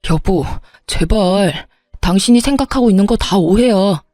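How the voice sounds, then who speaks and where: A woman voicing a young husband who begs, then shouts and threatens, in a narrated story. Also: medium pitch, lively intonation, normal speed, no echo, clean studio sound, close to an everyday voice. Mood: begging. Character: pleading, hot-tempered young husband. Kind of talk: storybook narration with acted dialogue.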